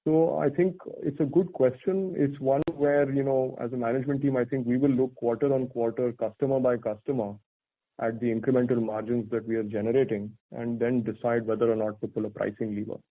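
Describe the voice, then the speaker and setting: Over a narrow, tinny conference phone line, a man in a senior corporate role answers analysts' questions. He speaks at a middling pitch in a measured, articulate, businesslike way, setting out his reasoning as on an earnings call. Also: flat delivery. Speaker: company executive answering analysts.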